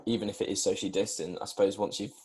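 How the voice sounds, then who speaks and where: Young male co-host, lowish voice, easygoing and halting, chatting over a video call. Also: level tone, darkish tone. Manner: easygoing, hesitant with fillers. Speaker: podcast co-host.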